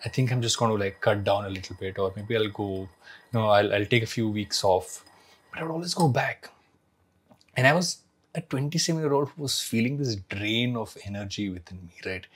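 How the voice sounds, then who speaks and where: Man, forties, founder telling his story; husky, lowish voice, reflective and emphatic. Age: 40s. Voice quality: slightly husky, throat clearing. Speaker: founder sharing life lessons. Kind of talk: personal story talk to camera.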